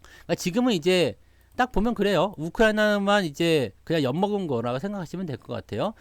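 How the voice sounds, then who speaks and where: A man's voice: fairly high pitch, no echo. A man giving casual stock market commentary, answering his live chat, acting out little quoted exchanges and laughing often. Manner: chatty, acts out quoted voices, laughs often.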